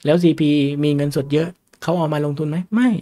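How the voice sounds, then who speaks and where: Warm in tone, brisk and on the high side, a man's voice leads a casual lecture on stock charts. This stock market teacher keeps things chatty and regularly fires questions at the audience.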